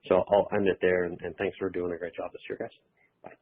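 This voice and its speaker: Deep, husky man phoning in. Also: flat delivery, quick pace. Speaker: investor calling in with comments. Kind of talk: informal spoken financial commentary. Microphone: telephone. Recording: tinny telephone line.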